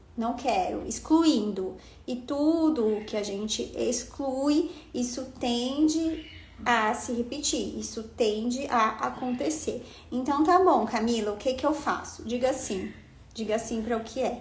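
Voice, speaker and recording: A woman with a high pitch speaks at a fairly slow pace. Her pitch variation is ordinary, and audible room echo surrounds her voice. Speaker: family constellation facilitator. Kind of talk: live stream Q&A talk. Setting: live stream.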